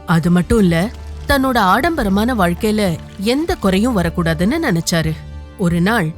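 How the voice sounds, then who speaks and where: A woman narrates a folktale for children in an expressive storytelling style. Her pitch moves in lively swings at a middle register, with music playing underneath. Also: unhurried.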